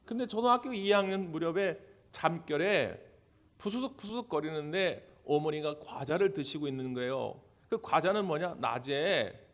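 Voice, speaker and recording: Storytelling pastor with a high voice. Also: male voice. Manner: storytelling, acting out quoted voices; asks the congregation questions. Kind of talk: sermon. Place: church service.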